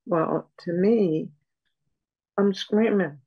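An older woman on a video call at home, speaking softly and haltingly with many pauses as she talks about her life as a patient. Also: mid-range voice, slightly rough, phone-quality sound. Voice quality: soft voice. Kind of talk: personal account in an interview. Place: room at home. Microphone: video call webcam.

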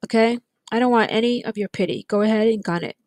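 A woman's voice: fairly high pitch, fast, a little mellow, dry recording, studio quality, close to an everyday voice. A woman voicing an easygoing boy batter who jokes with his friends in a breezy way. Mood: joking.

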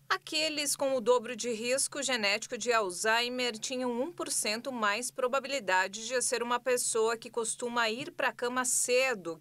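A woman reading a scripted news report as a voice-over, in a clear and steady way. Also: on the high side, no room sound.

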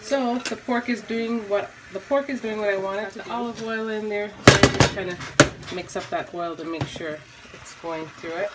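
A woman's voice: medium pitch, normal speed, heavy background noise. Chatty woman vlogging from her kitchen. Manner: chatty, rambling, lots of fillers. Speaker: family vlogger. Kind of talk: casual cooking vlog chat. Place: home kitchen, indoors. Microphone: phone camera held at arm's length.

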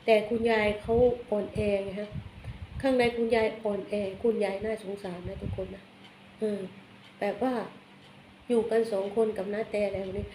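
A woman's voice: medium pitch, fairly even intonation, moderate pace, dark tone. Chatty woman reading tarot, echoey room. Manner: chatty, blunt, ends phrases with polite particles. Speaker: tarot reader. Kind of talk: casual tarot reading monologue. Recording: echoey room, faint background noise.

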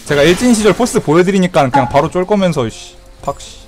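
A man streaming a video game with live commentary, excitable and trash-talking playfully, shouting sound effects between slow remarks. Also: sits high. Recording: game music playing behind.

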